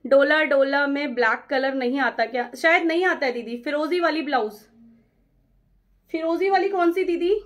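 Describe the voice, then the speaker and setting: A woman hosting a live saree sale, chatting briskly with viewers, taking bookings and calling out their names, slipping English phrases into her Hindi. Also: high-pitched, dull audio. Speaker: saree seller on live stream. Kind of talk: live-stream sales chat.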